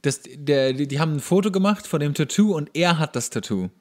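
A man's voice: a little high, animated, fairly quick. A man giving casual, sarcastic running commentary on a show as he watches it, as a podcast host.

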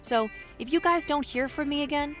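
A woman's voice: sits high, moderate pace, soft background music, natural voice. A woman playing a sardonic, defensive researcher who swings from formal to flippant in a comedic audio drama log. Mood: exasperated. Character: snarky, defensive female paranormal researcher, adult.

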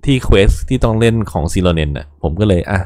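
A man's voice: on the low side, lively intonation, quick pace, a little mellow, dry recording, clean studio sound. A young adult man streaming a game, chatting casually with crude slang and thinking aloud. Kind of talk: casual gameplay commentary.

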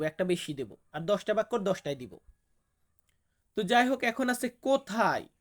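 A man teaching a language lesson, explaining words plainly and patiently, and slowly spelling out and repeating foreign words. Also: sits high. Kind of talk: explaining vocabulary to viewers.

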